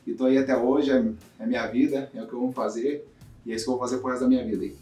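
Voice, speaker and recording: A man from talks fast and upbeat as an interview guest. He often tags his sentences with little questions. His voice sounds distant and roomy, with music playing faintly underneath. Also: medium pitch, level tone, mellow. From Brazil. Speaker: guest fighter. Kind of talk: casual interview. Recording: roomy, off-mic with music behind.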